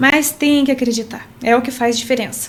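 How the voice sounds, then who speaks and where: Against noticeable background noise, a high-pitched woman speaks at a fairly quick pace with fairly even intonation. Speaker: farmer and beauty pageant winner. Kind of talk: interview.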